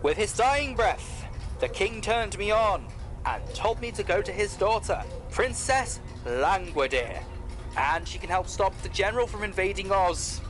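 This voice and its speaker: A man's voice: sits high, expressive, a little slow, a bit bright, soft background music. An actor playing a polite, loyal clockwork man who explains things formally in an audio drama. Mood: matter-of-fact. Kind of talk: scripted audio drama acting.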